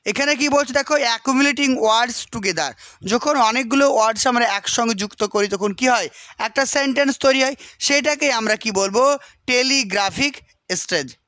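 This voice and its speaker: A man with a West Bengal Bengali accent gives an exam-prep lecture in a very high, bright voice. He reads English lines slowly, then breaks them down with rhetorical questions. The sound is close and dry. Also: no room sound. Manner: keeps asking rhetorical questions and checking understanding. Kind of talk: explanatory lecture.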